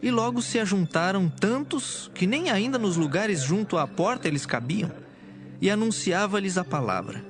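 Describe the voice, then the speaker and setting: Higher-voiced male Bible narrator. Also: animated, normal speed, over music. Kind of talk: scripted audio Bible narration.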